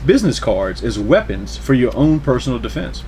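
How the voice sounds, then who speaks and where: A man co-hosting a podcast in casual chat, delivering laid-back, drawn-out jokes. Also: mid-range voice, big pitch swings, warm tone, a little hiss or hum. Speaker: podcast co-host.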